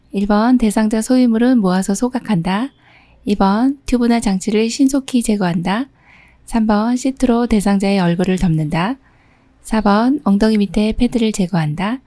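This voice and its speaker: A woman's voice: medium pitch, dark tone, dry recording. A middle-aged woman instructor reads out exam questions and patiently explains each answer. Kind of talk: exam question walkthrough lesson.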